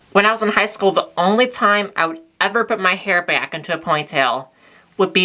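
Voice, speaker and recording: Using a plain, everyday voice, a woman talks at a fairly quick pace with ordinary pitch variation. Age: 30s. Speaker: vlogger. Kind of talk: casual talk to camera.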